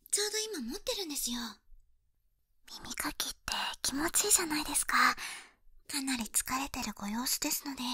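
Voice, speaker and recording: Woman acting a high-voiced, bright, shy young woman. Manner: breathy, often dropping into whispers, polite and gentle. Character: shy, kind young woman stuck in an elevator. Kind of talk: Japanese ASMR situation voice acting, intimate.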